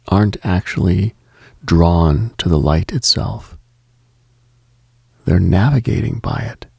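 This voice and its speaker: Slow, husky low-voiced man. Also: a little mellow, no room sound, studio quality. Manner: contemplative, measured, deliberate pauses. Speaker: late-night radio host. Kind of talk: slow reflective late-night monologue, ASMR-like.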